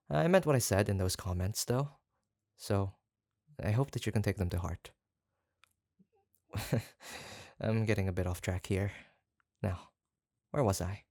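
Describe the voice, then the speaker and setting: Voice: sits low, gravelly, dry recording, studio quality, exaggerated voice. A performer playing an obsessive, lovestruck yandere kidnapper in a roleplay audio drama, hesitant and rambling as they dote on the listener. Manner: hesitant, rambling, soft-spoken menace with nervous chuckles.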